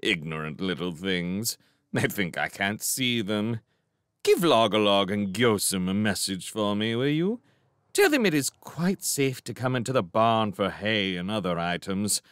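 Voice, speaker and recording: A man's voice: on the low side, fairly bright tone, dry recording, clean studio sound. A man voicing a refined, idle male barn cat in a storybook reading, speaking in a genteel, slightly prim way.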